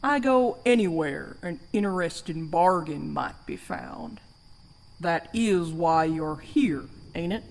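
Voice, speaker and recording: A woman's voice: lowish voice, animated, slow pace, gravelly, heavily acted, poor audio. A woman playing a mysterious, teasing stranger in an audio drama, folksy in speech and out for bargains. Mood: sly.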